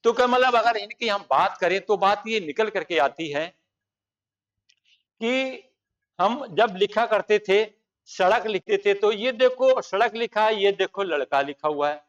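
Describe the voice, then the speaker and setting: A man's voice: sits high, expressive, measured pace, a bit bright, recorded from a distance, dull audio. A man teaching a grammar lesson for exam preparation, explaining at length and pointing out examples on the board.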